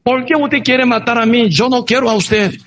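A man's voice: extremely high pitch, normal speed, fairly bright tone, pitched above the performer's own voice. A man voicing a young male warrior who pleads his loyalty to a king, in an earnest, raised voice. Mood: pleading.

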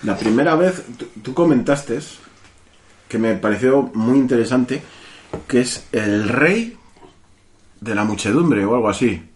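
A man's voice: medium pitch, expressive, measured pace, long pauses, slight background noise. A man hosting a casual film podcast, insistent and swearing freely. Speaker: podcast host discussing a film.

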